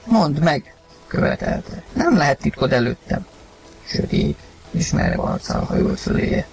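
Gravelly guy reading a story, voice jumps all over, music under it. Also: mid-range voice, wildly swooping pitch. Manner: acted, rising to shouts in heated lines. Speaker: narrator and reader of the husband's lines. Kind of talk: dramatized audiobook reading.

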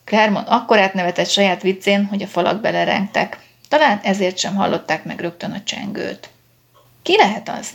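A woman's voice: medium pitch, fairly even intonation, creaky. A woman narrating a story in an audiobook reading, telling it steadily and expressively.

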